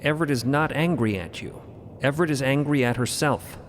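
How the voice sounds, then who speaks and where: Man playing a measured, formal spiritual mentor over background noise. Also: mid-range voice, big-room sound, natural voice. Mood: calm, admonishing. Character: calm, stern male mentor of a religious order. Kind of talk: audio fiction dialogue.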